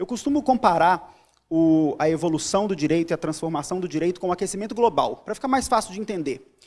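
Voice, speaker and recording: A man with a high pitch, talking at a very fast pace. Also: lively intonation. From Brazil, Belo Horizonte (Minas Gerais). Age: young. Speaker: lawyer and startup founder giving a talk. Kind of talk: talk on stage. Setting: stage with audience.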